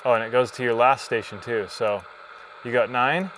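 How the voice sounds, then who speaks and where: A man's voice: mid-range voice, steady tone, normal speed, a bit bright, slight background noise, low-quality recording. A man vlogging in a casual, chatty way, explaining things informally as he does a hands-on demo. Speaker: vlog host.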